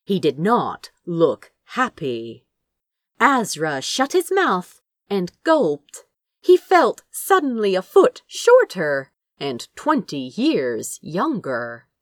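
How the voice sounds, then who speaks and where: A woman narrates a story in an expressive, theatrical style. Her pitch swings widely from phrase to phrase, and she takes her time with deliberate phrasing. The sound is dry, with very little room in it. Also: dry recording. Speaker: audiobook reader of fan fiction. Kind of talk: expressive dramatic scripted narration.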